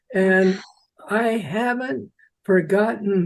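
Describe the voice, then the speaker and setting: The man speaks with a high pitch. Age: 70s. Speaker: clinical psychologist and play therapist. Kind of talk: storytelling in conversation.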